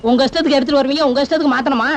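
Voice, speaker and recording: A man's voice: very high-pitched, fairly even intonation, racing. A cheeky bickering village man. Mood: quarrelsome. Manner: boastful and bickering. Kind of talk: 1980s Tamil film comedy. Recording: dull old film soundtrack with music.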